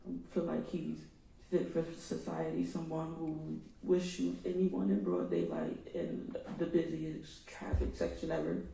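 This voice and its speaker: A woman's voice: deep voice, measured pace, creaky, dark tone, a little hiss or hum. A middle-aged woman, a victim's mother, giving a raw, emotional impact statement in a courtroom and speaking straight to the defendant. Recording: echoey courtroom from far off.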